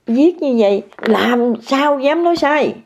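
An older woman's high voice, slow and darkish with lively intonation, delivers an emphatic testimony about her meditation practice. Repeating herself often, she addresses listeners directly; the recording is muffled and lo-fi.

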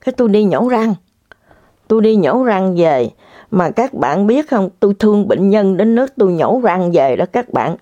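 A woman tells a story straight to her viewers, full of dramatic exclamations. Her mellow, warm voice sits at medium pitch and moves at normal speed with a sing-song quality. The recording is dry, with no echo, and a little dull and lo-fi.

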